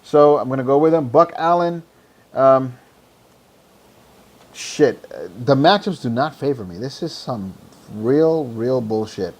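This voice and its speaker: A hoarse, tired man hosting a podcast, rambling loosely through fantasy football picks and swearing freely. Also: medium pitch, a little slow, pauses often, a little mellow. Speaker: podcast host. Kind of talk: casual fantasy football talk.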